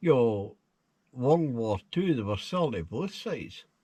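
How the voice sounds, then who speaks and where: In a south-west Scottish accent, a man speaks fairly slowly at medium pitch, his dark, mellow tone making very wide pitch swings. The recording is very clean, with a silent background. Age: 70s. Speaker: camping vlogger. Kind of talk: casual monologue to camera. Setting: outdoors, camping by the beach.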